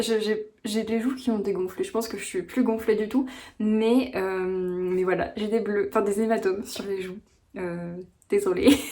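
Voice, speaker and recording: A woman with a dark, mellow tone and fairly high pitch speaks at a very slow pace with fairly even intonation. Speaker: knitting podcaster and yarn dyer. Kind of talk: casual vlog chat. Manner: halting, with many filler words; articulating more carefully.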